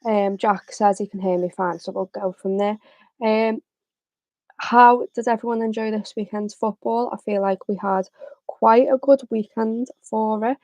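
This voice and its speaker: A young woman with a slightly raspy voice, talking casually to her livestream viewers with lots of fillers. Her delivery stays fairly level without big swings in pitch. She sounds close to the mic in a dry room with no echo. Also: measured pace. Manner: chatty, relaxed, many fillers. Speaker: host of a football livestream. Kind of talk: casual live chat.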